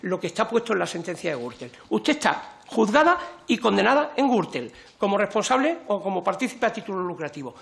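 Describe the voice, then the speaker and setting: A man's voice: high voice, very animated, brisk, gravelly, a bit bright. A man questioning a witness in a parliamentary committee hearing, insistent and emphatic, leaning close to a desk microphone.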